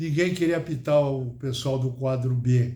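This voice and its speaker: There is audible room echo as a man talks at a moderate pace with medium pitch and ordinary pitch variation. His tone is dark and mellow, and somewhat breathy. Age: 80s+. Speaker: retired football referee. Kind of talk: interview.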